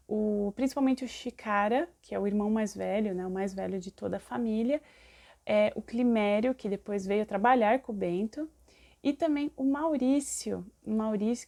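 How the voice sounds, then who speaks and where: A woman's voice: a little high, warm tone. A young woman, telling a life story to her viewers in a chatty way. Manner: chatty, addresses viewers as "gente", frequent "né". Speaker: YouTuber telling a band member's life story.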